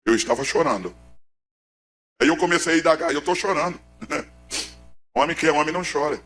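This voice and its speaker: A Pernambucan man preaching his own testimony, his voice a touch high for a man. He swings from quiet, low passages to shouted peaks, with faint music under him. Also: moderate pace. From Pernambuco, Brazil. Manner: dramatic, swings from hushed to shouting. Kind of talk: emotional church testimony.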